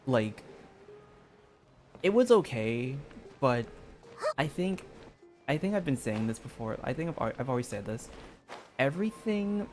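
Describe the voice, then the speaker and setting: A man's voice: mid-range voice, very animated, a little slow, long pauses, darkish tone. Casual male game streamer over music. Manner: hesitant, peppered with "like". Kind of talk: casual rambling game commentary. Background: background music.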